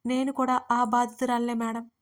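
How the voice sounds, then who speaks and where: A woman voicing a frightened, tearful young servant woman who pleads in a hushed, urgent way in an audio story. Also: on the high side, level tone, moderate pace, lightly acted. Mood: pleading.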